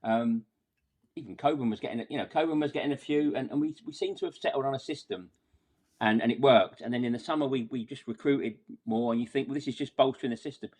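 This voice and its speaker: A man with a mid-pitched voice reviews football in a casual podcast chat. He sounds exasperated and talks at length, halting and doubling back on his words. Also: darkish tone.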